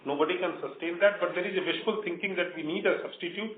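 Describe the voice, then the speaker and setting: Fast-talking Indian man on echoey phone line. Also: high voice, a little hiss or hum. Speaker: company executive. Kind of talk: answering questions on an earnings call. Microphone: conference call phone.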